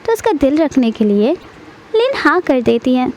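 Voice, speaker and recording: A woman narrating a drama recap in a lively, casual storytelling manner. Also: high voice, moderate pace.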